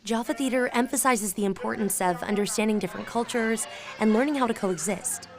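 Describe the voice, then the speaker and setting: A woman's voice: on the high side, a little fast. Woman reading a news feature voice-over. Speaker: reporter. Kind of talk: scripted news package narration. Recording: voice-over with music bed. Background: music.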